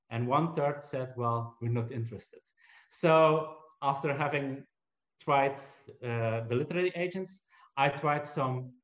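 With a medium-pitched voice, a Belgian entrepreneur and author of Dutch descent speaks haltingly in an interview answer, restarting frequently. His humor is self-deprecating, and the audio has a roomy, slightly dull quality.

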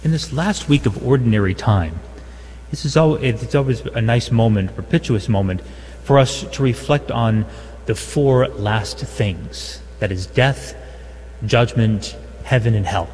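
A man's voice: medium pitch, a little slow, a little mellow, slight background noise. Male priest, conversational homily with light humor, recorded in a large church with a long cathedral echo. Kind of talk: gospel reading and homily.

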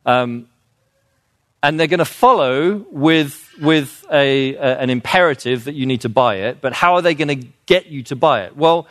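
A man's voice: medium pitch, moderate pace, fairly bright tone, no echo. Earnest man in a dry, close recording. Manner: earnest, explanatory, with frequent restarts and fillers. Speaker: speaker on children's literature. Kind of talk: informal lecture.

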